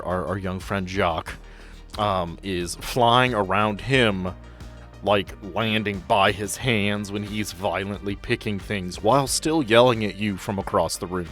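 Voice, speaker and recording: A man acting as game master, improvising conversational scene narration in a halting way. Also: on the low side, a bit bright.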